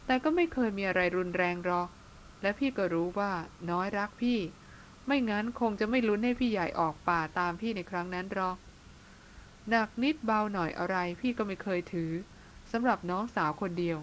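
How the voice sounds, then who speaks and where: A woman with a mid-range, everyday-sounding voice reads briskly as a bearded older brother, blunt but tender, who teases his younger sister. Her delivery is plain-spoken and teasing, with slight background noise behind it.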